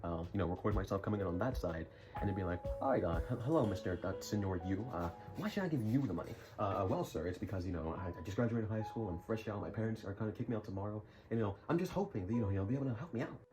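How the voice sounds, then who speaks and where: A man's voice: lowish voice, animated, very fast. A young man telling a rambling school story in a casual vlog, full of jokey, self-mocking asides. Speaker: YouTuber. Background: music.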